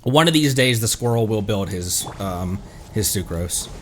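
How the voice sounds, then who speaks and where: A man's voice: fairly low pitch, animated, measured pace, fairly bright tone, slight background noise. A man streaming a game, rambling casually and thinking aloud to his viewers. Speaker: streamer, VTuber host. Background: music.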